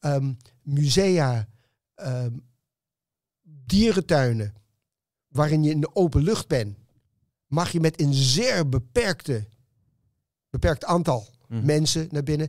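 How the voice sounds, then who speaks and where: Speaking at a very slow pace with long, frequent pauses, a man with a slight English accent uses a fairly high pitch and lively intonation against a quiet background. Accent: slight English accent in Dutch. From New York, US. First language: English (speaking Dutch). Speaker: professor. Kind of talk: interview. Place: studio. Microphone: studio mic.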